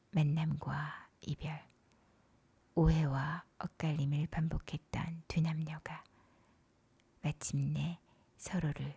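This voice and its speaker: A woman whispers a bedtime story softly and breathily, leaning into a gentle, unhurried narration with short pauses between phrases. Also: low-pitched, vocal fry, breathy edge, no echo. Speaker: narrator retelling a film story for sleep. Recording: soft music behind the whispering. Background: music.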